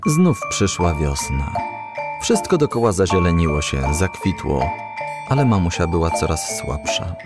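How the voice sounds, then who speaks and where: A man's voice: low voice, very animated, unhurried, over loud music. A man reading a children's story aloud as scripted audiobook narration. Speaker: audiobook reader.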